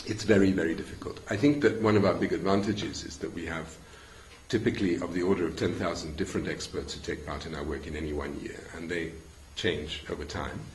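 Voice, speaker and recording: Audible room echo surrounds a very fast delivery with ordinary pitch variation and big swings in loudness. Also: man, very deep, low pitch for a man. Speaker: standards organization executive. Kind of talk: interview.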